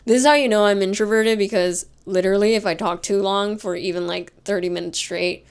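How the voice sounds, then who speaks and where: A young woman vlogging casually to camera, soft-spoken and chatty, her voice worn and fading from talking all day. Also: mid-range voice, fairly even intonation, brisk, clean tone. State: tired, fading voice. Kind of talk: casual vlog talk.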